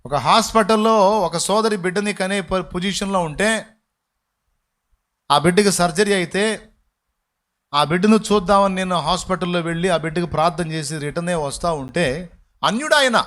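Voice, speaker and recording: A man preaching a sermon as pastor, telling a story and acting out its voices with sudden loud and hushed turns. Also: high-pitched, moderate pace, long pauses.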